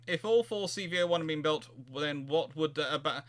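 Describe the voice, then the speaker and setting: A man's voice: a little high, fairly quick, fairly bright tone. A man hosting a history live chat, talking casually and technically, often repeating words and restarting his phrases.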